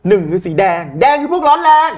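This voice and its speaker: A man speaking as a guest communication coach, explaining in a lively, demonstrative way and adding polite particles at the ends of his sentences. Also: very high-pitched, fast talker. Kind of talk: conversational coaching talk.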